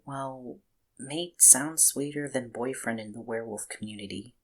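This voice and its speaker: A man playing a gentle but quietly firm young vampire in an audio drama, soft-spoken and hesitant. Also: mid-range voice, moderate pace, natural voice. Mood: calm, loyal.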